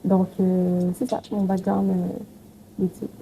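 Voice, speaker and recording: Mellow-voiced young woman, frank and reflective. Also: mid-range voice, monotone, a little slow, vocal fry, a little hiss or hum, poor audio. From Haiti. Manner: reflective, frank, speaks with many fillers. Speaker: guest. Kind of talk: casual interview talk.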